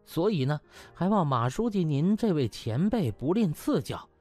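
A man voicing a cunning young hospital inspector in an audiobook, hesitant, mock-solemn and flattering. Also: on the high side, moderate pace, soft background music, pitched above the performer's own voice. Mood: mock-humble. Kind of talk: audiobook character acting.

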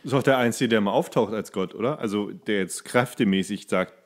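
Man, lowish pitch, rapid delivery, casual podcast banter, short interjections. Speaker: podcast co-host.

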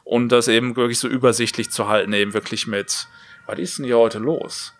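A man's voice: medium pitch, fairly even intonation, a little fast. A man speaking casually as an interview guest on a podcast, an audio drama creator.

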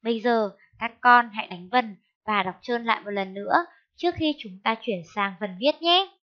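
A woman teaching a first-grade lesson, speaking slowly and clearly and spelling out syllables in a raised, sing-song voice. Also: a little high. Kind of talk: slow, clear classroom lesson. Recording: dull lo-fi sound.

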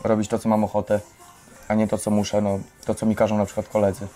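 A man's voice: lowish voice, monotone, fast talker, warm tone, faint music behind. A young man giving informal, reflective testimony in an earnest way, often checking for agreement with short tag questions. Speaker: resident of a youth educational centre.

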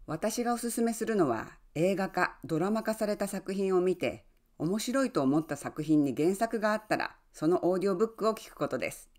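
A woman who works as an online English coach, giving friendly, encouraging advice and often adding soft tag words as she talks. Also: medium pitch, lively intonation, fairly quick. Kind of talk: advice talk to camera.

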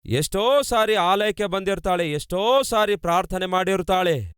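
A man preaching a sermon on a close microphone, with a smooth, resonant voice set a little high. He sways between slow, low emphasis and quick, rising bursts, repeating phrases for effect. The sound is dry and close. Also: lively intonation, fairly bright tone, no echo. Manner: preaching with dramatic swings in pitch and pace, repeating phrases. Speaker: pastor.

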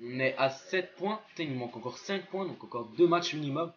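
A young man gives casual, excited commentary on a football video game, slangy and prone to swearing and exclaiming at plays. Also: fairly high pitch, a little fast, slight background noise. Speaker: gaming video creator playing a football game. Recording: dull lo-fi voice track with music behind.

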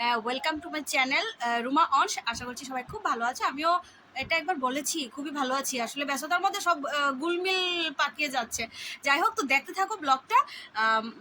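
This is a woman vlogger, talking casually to camera. Her voice sits high and sounds bright and sharp. She talks in a rush and fills her pauses with hesitant sounds, over a faint background hiss. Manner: hurried, with many hesitant fillers. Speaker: family vlogger.

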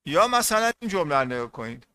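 A man's voice: a little high, sing-song, pushed and bright, clear, resonant tone. A man teaching English grammar in an online class, speaking on English words, often repeating points and asking the class questions.

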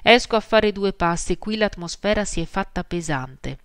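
A woman's voice: mid-range voice, lively intonation, moderate pace, fairly bright tone, clean tone, no room sound, studio quality, lightly acted. A woman reading the lines of a coarse, mocking middle-aged man in an audiobook, with a sneering, dismissive manner.

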